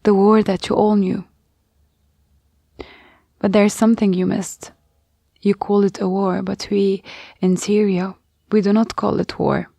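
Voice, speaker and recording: Gravelly, flat-voiced woman reading. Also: medium pitch, measured pace, long pauses, no echo. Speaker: reader of a monologue. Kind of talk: dramatic reading of a personal testimony.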